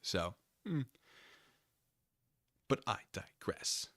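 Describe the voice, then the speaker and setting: A man with a slightly low but bright, forward voice hosts a livestream. He rambles casually through his commentary and drops in playful, self-deprecating asides as he talks to viewers. The sound is dry, with no room around it. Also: big pitch swings, extremely slow, no echo.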